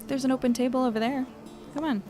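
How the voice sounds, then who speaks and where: A woman's voice: sits high, fairly even intonation, quick pace, loud music behind the voice, natural voice. A woman playing a thoughtful, easygoing young woman in a naturalistic audio drama, speaking in a reflective way. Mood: casual.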